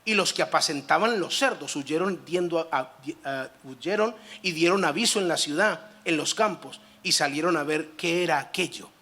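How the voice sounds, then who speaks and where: High, bright-voiced pastor preaching. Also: male voice, moderate pace, hardly any pauses. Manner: emphatic, with repetitions and asides. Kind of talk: sermon.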